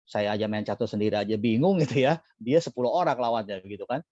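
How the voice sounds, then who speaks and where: A man preaching a Buddhist sermon in a relaxed, conversational way, asking and answering his own questions and acting out little scenes. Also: lowish voice, dry recording, dull audio. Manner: acts out little scenes with quick exclamations. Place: temple service streamed live.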